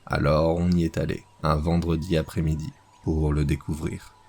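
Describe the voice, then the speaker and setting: A man reading a horror story aloud as scripted narration, slow and measured. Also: very deep voice, level tone, darkish tone.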